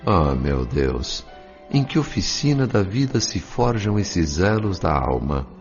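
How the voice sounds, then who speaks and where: A low, solemn male voice telling a story as a gentle, reverent spirit. The delivery is literary and full of feeling, in radio drama style. Music plays clearly behind a slightly dull recording. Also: sing-song, slow, exaggerated voice. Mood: moved, wistful.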